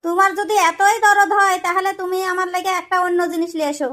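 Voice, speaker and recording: A woman's voice: very high voice, steady tone, quick pace, sharp tone. A woman voicing a short-tempered, exasperated cartoon wife with a Rajshahi Bengali accent, speaking in curt complaints. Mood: fed up. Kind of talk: comic cartoon dialogue.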